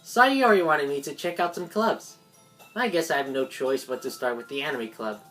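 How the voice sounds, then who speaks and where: A woman's voice: low voice, normal speed. A woman reading a visual novel script aloud as narrator, with game music behind her.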